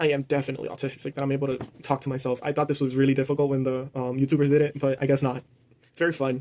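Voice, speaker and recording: Speaking at a very fast pace, a man with a fairly high pitch and a dark, mellow tone delivers his words in a monotone, flat intonation. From Dominican Republic. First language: Spanish. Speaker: vlogger. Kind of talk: casual Spanish exchange with family; casual vlog monologue while drawing.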